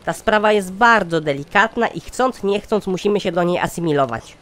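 A man's voice: sits high, animated, normal speed, fairly bright tone. A man voicing a pompous, sardonic company chairman in a satirical cartoon, speaking formally. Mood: exasperated, lecturing. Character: pompous, exasperated male company chairman, scheming boss.

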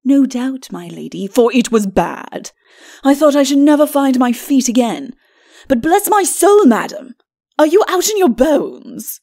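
A woman voicing a pompous, aching skeleton lord, a muddled old drunk with a rough voice and indignant bluster. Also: high-pitched, big pitch swings, measured pace, mellow, no room sound, clean studio sound, voice pushed up, exaggerated voice. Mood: grumbling.

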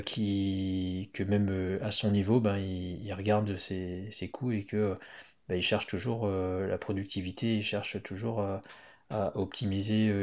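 A man with a somewhat low voice chats casually over a screen share, stumbling through frequent fillers and restarts. The sound is muffled and lo-fi, like a cheap desktop mic. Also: darkish tone. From Hong Kong. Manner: hesitant, many fillers and restarts. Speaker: YouTuber commenting on Tesla news.

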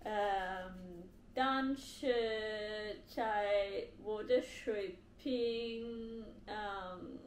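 Seated on a sofa against a bare living-room wall, a young adult language-learner vlogger chats to camera in Mandarin, which isn't her first language. She speaks at a medium pitch with a foreign accent, pausing often to find her words. The audio echoes and carries a faint hiss.

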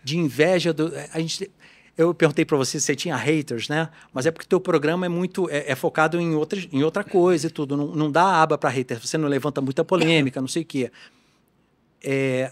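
Appearing as a guest on a casual podcast, a man speaks in a somewhat high register. An easygoing, knowledgeable shop owner, he's animated and chatty, frequently breaking off sentences and starting them over.

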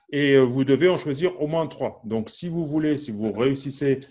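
A man's voice: mid-range voice, unhurried, a little mellow. A man teaching a casual online music lesson, chatty and full of fillers, counting and singing out syllables over an instrument.

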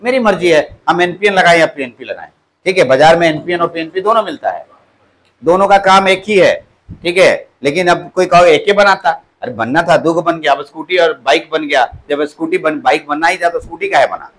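A man's voice: on the high side, expressive, brisk, a bit bright. A male polytechnic teacher giving a classroom lecture, repeating key words back to his students as questions. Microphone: clip-on mic at the waist.

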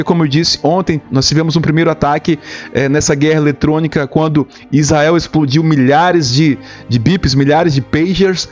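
A man's voice: fairly high pitch, muffled recording. A man in his thirties with a Brazilian accent giving informal, explanatory news commentary straight to his viewers. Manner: explanatory, addressing viewers directly. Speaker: host of a news commentary video channel. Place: small indoor home studio with shelves. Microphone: close desktop condenser microphone. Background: background music.

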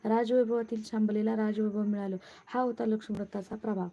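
Woman reading a devotional tale, flat. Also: medium pitch, a little fast. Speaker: storyteller. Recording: muffled lo-fi recording.

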